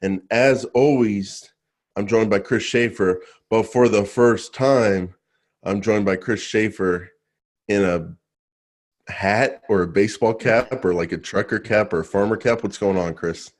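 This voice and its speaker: Man, podcast co-host, lowish voice, playful teasing banter, casual chat. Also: measured pace.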